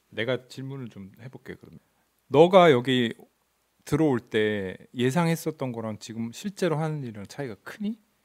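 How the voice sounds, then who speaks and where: A man with an unremarkable speaking voice talks at a moderate pace, his intonation lively and his loudness swinging widely. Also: medium pitch for a man. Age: 40s. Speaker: YouTuber and company boss. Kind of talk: casual chat.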